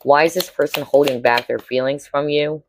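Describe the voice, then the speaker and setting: A woman with a hoarse, cracking voice giving a casual tarot reading to viewers, chatty and often checking in with her listeners. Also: sits low, steady tone, moderate pace, background noise. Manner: chatty, keeps checking in with "all right?" and "okay?". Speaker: tarot reader.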